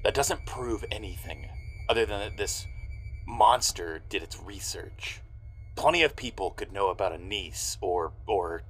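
A man playing a down-on-his-luck, stubborn private eye in a noir audio drama, gruff, intense and husky. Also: on the low side, lively intonation, unhurried, a bit bright, faint music behind, exaggerated voice, poor audio. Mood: wary. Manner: gruff, intense, hard-boiled.

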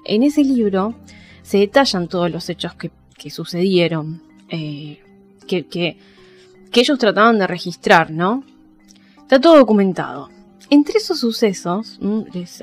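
A woman with an Argentine accent hosting a podcast, casually telling paranormal history and often checking in with her listeners. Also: medium pitch. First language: Spanish. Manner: conversational, addresses listeners with checking tags. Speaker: podcast host. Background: background music.

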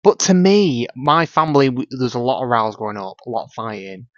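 A man's voice: medium pitch, brisk, a bit bright, dry recording. A young adult man with a Northern English accent co-hosting a podcast, blunt, opinionated and teasing. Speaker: podcast co-host. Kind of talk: casual chat. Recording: dry, slightly dull podcast mic.

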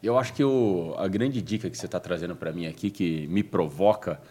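A man telling a personal shopping story in a casual, excitable chat. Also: low voice, fairly quick. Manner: lively, excitable anecdote teller.

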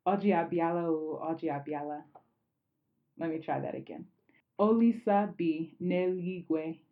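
A woman's voice: low-pitched, a little slow, phone-quality sound. A woman learning Igbo in a casual lesson, asking questions and carefully repeating phrases back. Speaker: language learner.

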